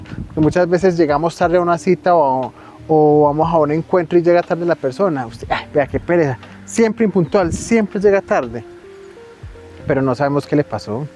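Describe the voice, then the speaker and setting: A man's voice: on the high side, mellow. A man giving a conversational mental health talk, often acting out quoted voices. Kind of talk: casual advice talk on local TV.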